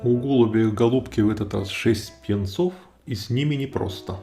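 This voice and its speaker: Mellow, gravelly man narrating nature. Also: medium pitch, a little fast. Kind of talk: calm explanatory nature commentary. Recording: roomy echo, faint music behind.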